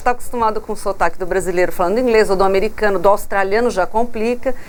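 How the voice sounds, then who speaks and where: At a very fast pace, a woman with a fairly high pitch and ordinary pitch variation talks over noticeable background noise. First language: English (speaking Portuguese). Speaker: traveler. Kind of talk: TV talk show interview. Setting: TV studio.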